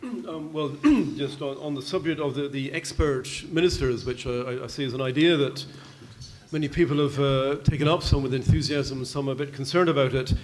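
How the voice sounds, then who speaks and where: An older man speaking as an expert panelist at a public convention, explaining at a measured pace with some hesitant restarts, into a table microphone in a large conference hall. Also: mid-range voice.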